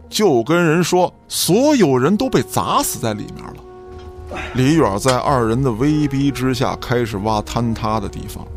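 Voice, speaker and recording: A man giving dramatic scripted narration for a radio play in a theatrical storytelling manner. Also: fairly high pitch. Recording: music behind the voice.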